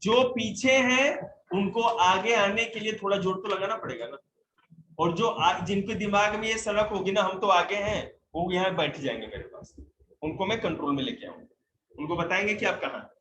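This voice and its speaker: A male teacher giving a spoken English lesson to a class, slowly explaining each example sentence in Hindi and English. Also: high-pitched, sharp tone, roomy sound, slight background noise, poor audio.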